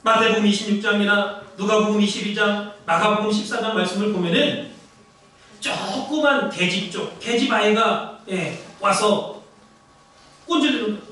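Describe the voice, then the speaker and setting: A man's voice: high voice, fairly bright tone. A man with a Korean accent preaching a sermon as the pastor, telling the story emphatically and dramatically. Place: large church sanctuary. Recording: very echoey church hall, distant mic.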